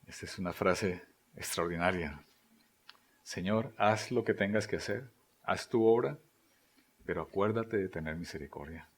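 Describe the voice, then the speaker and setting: A man preaching a sermon, asking rhetorical questions and voicing quoted prayers, his delivery swinging between loud emphasis and near-whispers. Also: low-pitched, normal speed, pauses often, husky. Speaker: pastor.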